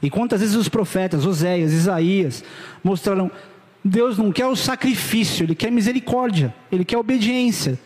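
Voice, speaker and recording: A man's voice: high-pitched, normal speed, darkish tone, in a large hall. A middle-aged man with a Brazilian Portuguese accent preaching a sermon to his congregation, urgent and direct, with casual slang. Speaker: pastor. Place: church hall.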